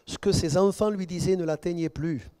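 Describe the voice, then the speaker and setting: A middle-aged man preaching a sermon as pastor, telling a story with quoted dialogue and building to excited, emphatic peaks. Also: sits high, fairly quick.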